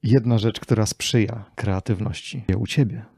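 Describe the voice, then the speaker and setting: A man hosts a casual podcast interview in a low, mellow voice. The sound is husky and recorded dry, with little room around it. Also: normal speed, dry recording.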